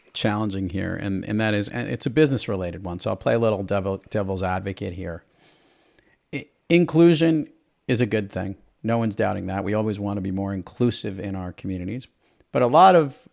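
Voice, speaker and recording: A man's voice: lowish voice, creaky, a little mellow. A man hosting a podcast interview, upbeat and emphatic, with playful asides. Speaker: podcast host.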